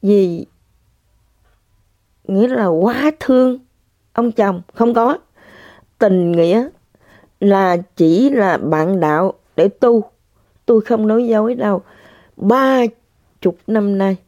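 An older woman giving an emotional, halting spiritual testimony to listeners, often repeating herself. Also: medium pitch, dark tone, no echo. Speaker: religious practitioner sharing testimony. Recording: dull lo-fi sound.

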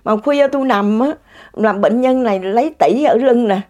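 A woman's voice: on the high side, moderate pace, darkish tone. Woman, casual testimony, exclamatory, laughing. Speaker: speaker sharing a personal story.

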